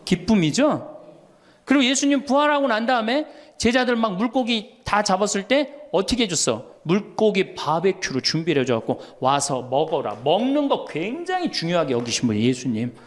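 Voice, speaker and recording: An older male priest in his sixties preaches to an audience with a high, bright voice. His pitch swings widely as he tells funny stories, laughing along and acting out the people in them. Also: fairly quick. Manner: storytelling with laughter and lively quoted dialogue. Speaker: Catholic priest. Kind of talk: humorous sermon lecture.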